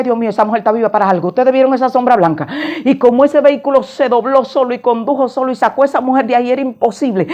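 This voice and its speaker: A woman's voice: on the high side, a little mellow, muffled recording. A middle-aged woman pastor, telling a dramatic sermon testimony and acting out the voices in it.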